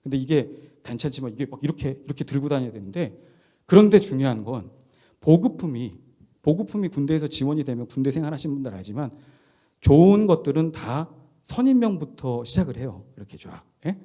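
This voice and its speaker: A middle-aged man, a pastor, preaching by telling a personal story with lively, chuckling delivery. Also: medium pitch, fairly quick.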